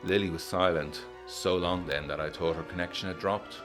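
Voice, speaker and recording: A man playing a haunted 1920s war veteran, reading his letter aloud in a brooding, measured way for a gothic audio drama. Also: low voice, steady tone, over music, close to an everyday voice. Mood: uneasy, haunted.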